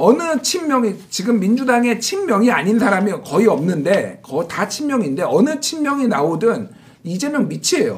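A man talks with a high pitch. His pitch swings very widely. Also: moderate pace. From South Korea. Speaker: political commentator. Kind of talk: political panel discussion. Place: studio. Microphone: studio mic.

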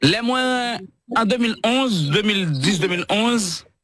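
A man with a Haitian accent and lively intonation, in a dry sound with no echo and light background noise. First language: Haitian Creole (speaking French). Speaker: radio host. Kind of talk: interview. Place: studio. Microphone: studio mic.

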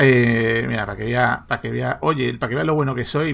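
A man with a Spanish accent talks with lively intonation. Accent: Peninsular Spanish. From Spain. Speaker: gaming YouTuber. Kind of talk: gameplay commentary. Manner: animated; fast. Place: home room.

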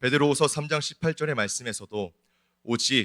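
Dry and close with no echo, a man's bright, sharp tone comes through at a fairly slow pace. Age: 20s. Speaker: junior pastor. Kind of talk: sermon. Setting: church.

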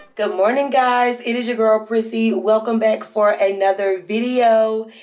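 A woman talks at a moderate pace with fairly even intonation over a quiet background. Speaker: lifestyle vlogger. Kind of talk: casual vlog chat. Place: bathroom. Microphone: phone near.

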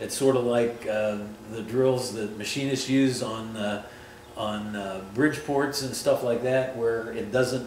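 Audible room echo and light background noise fill the recording. A man speaks at a fairly slow pace with fairly even intonation. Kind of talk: casual tutorial explanation. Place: garage. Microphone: camera far.

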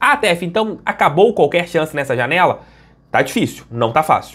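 Moderate pace, lively intonation, and a man's high pitch. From Brazil. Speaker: football channel host. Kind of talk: casual commentary vlog. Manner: animated. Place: home room.

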